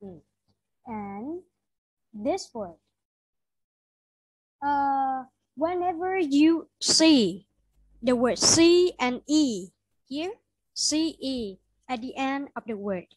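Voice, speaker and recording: Vietnamese accent woman tutor on a video call, slow patient repeating, kinda high voice, dry sound. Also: expressive, a little mellow, no echo, rough recording. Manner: patient, models words slowly and repeats them. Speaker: English tutor. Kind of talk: online pronunciation lesson.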